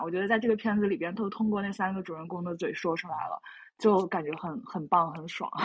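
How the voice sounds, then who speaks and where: Here is an ordinary speaking voice from a woman. Her pitch is medium and she moves at a fairly quick pace. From Shandong, China (county town). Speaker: media entrepreneur and variety show producer. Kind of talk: casual chat.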